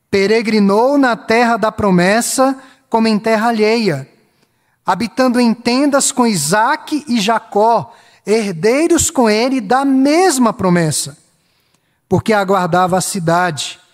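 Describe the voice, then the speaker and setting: A Brazilian man with a Minas Gerais accent preaching a sermon as pastor, in a measured cadence that lists phrases slowly and rises on key words. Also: sits high, long reverb tail. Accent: Brazilian Portuguese, Minas Gerais.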